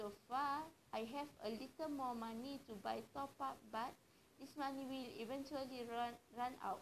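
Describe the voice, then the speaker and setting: A woman with a non-native accent speaks at a moderate pace. Her pitch is high and her intonation fairly even. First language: not English. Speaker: university student. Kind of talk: prepared monologue for class assignment. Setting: recording at home. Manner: halting, with repeated words.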